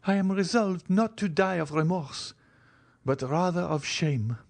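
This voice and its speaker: A man's voice: sits high, measured pace, creaky, voice pushed up. A man voicing a devoted, anguished young woman who pleads tearfully in an audiobook reading. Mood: impassioned.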